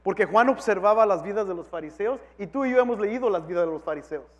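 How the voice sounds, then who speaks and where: Pastor, male, very high voice, preaches with sudden shouts, switches into English now and then, long hall echo. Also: quick pace. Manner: swings from quiet to shouting; mixes English phrases into Spanish. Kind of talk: sermon.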